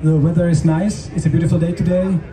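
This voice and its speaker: A man with a Czech accent interpreting formally and in measured phrases as a host on an open-air festival stage. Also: a little high, little pitch movement. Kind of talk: live consecutive interpreting at a public event. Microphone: handheld mic through PA, recorded from audience. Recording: roomy, distant stage PA sound with noise.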